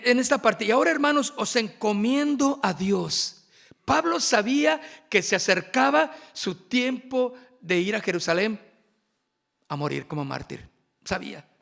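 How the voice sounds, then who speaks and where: A man preaching at a worship workshop, with emphatic, drawn-out phrasing and asides to his listeners. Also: very high-pitched, vocal fry, fairly bright tone.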